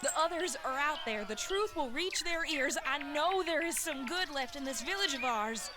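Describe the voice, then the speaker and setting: A woman's voice: high voice, lively intonation, moderate pace, noisy background. A woman playing a defiant, desperate young village girl in an audio drama, pleading with impassioned urgency.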